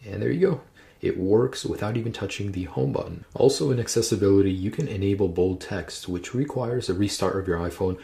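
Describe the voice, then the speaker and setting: Gravelly low-voiced man explaining phone tips. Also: brisk, warm tone. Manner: step-by-step instructional, walks through menus. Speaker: tech tutorial host. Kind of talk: screen-recorded how-to narration.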